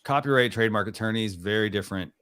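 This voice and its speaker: A man's voice: lowish voice, fast talker, a bit bright, smooth, no echo. A man co-hosting a live stream, chatting casually in a rambling way with lots of restarts. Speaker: co-host of a live stream show.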